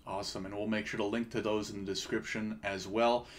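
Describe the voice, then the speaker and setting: A man's voice: fairly low pitch, flat delivery, fairly quick. A man in his thirties hosting a conversational interview over a video call from a small room. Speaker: show host. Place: small room with bookshelves, indoors.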